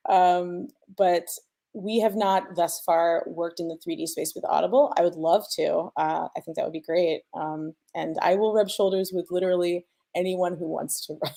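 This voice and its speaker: A woman with a fairly low voice and a heavy creak in it. She speaks casually and informally, like a sound designer on a panel who enjoys talking through the work. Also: fairly even intonation, moderate pace, warm tone. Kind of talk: casual conference panel talk.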